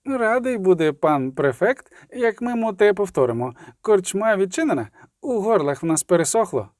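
A swaggering outlaw with a rough, folksy tongue, as a male reader puts him on. He swings his lively voice high and low while bluffing his way through, and the sound is close and dry. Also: moderate pace, no echo. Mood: falsely hearty. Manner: boastful, rough folksy slang. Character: brash swaggering male outlaw, smooth liar.

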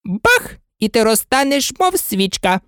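A woman voicing a contrary, teasing boy twin in a storybook reading, cocky and excitable. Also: fairly high pitch, a little slow, smooth, no echo, studio quality, pitched above the performer's own voice.

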